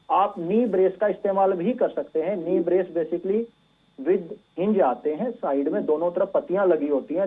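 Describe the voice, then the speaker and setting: A man's voice: high voice, slightly rough. A man speaking as an expert doctor on a call-in show, patiently explaining medical advice and mixing in English medical terms. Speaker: doctor, physiotherapy expert guest. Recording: thin phone-like band-limited line.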